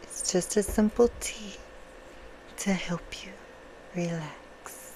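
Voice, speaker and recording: A woman voicing a seductive, courtly vampire hostess for ASMR, soothing and sinister, in a slow, hushed half-whisper. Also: mid-range voice, close to an everyday voice, rough recording. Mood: soothing, inviting. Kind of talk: ASMR roleplay, bedtime storytelling. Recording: clear background noise.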